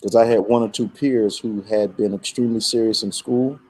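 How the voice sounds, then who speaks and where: An older man, a bishop, telling personal reflections conversationally in a measured, emphatic way. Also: on the low side, fairly even intonation, darkish tone, breathy edge, low-quality recording. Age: middle-aged or older. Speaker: bishop, guest.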